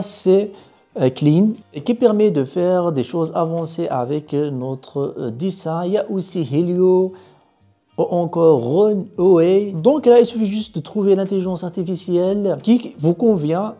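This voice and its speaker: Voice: medium pitch, warm tone. A tutorial presenter explaining tech steps in an instructional voice-over.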